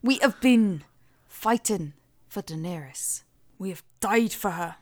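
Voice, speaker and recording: A woman voicing a stubborn, loyal male knight in a slow, emphatic mock Scottish accent. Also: medium pitch, expressive, a little mellow, dry recording. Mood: earnest.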